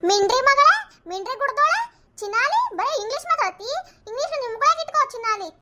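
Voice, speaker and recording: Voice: extremely high pitch, animated, fast, heavy background noise. A voice actor doing Girija, a fiery foul-mouthed village wife. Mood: furious. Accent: North Karnataka Kannada. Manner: shouting crude insults. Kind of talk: cartoon comedy voice acting.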